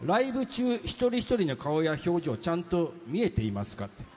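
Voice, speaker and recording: A man hosting a live stage talk, chatty and quick, leading the guests with questions. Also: on the high side, sing-song, a little mellow, big-room sound, a little hiss or hum. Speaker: event host.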